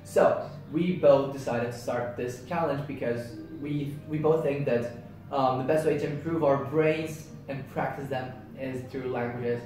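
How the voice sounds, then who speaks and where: A man's voice: mid-range voice, fairly even intonation, measured pace, a little mellow, very echoey, recorded from a distance, poor audio. A man in his twenties from Yemen whose native language is Arabic, co-hosting a casual chat in an upbeat, eager way. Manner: upbeat and eager, laughs often. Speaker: co-host.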